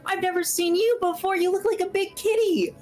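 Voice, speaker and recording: Woman doing squeaky excited little kids. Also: a little fast, faint music behind. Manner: squeaky, breathless, stammering. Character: excited small village children.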